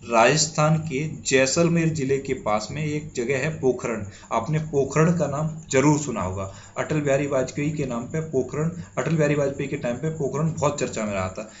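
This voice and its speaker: A man's voice: medium pitch, moderate pace, few pauses. Man from india, exam quiz tutor, repeats answers, dull lo-fi recording, faint hiss. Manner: repeats key answers, asks and answers his own questions. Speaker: current affairs exam tutor. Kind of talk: spoken quiz lesson.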